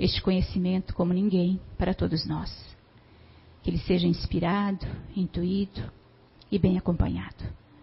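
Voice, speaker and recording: A woman speaks at a fairly slow pace. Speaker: event organizer and host. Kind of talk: welcome and prayer. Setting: live in-person event with online audience.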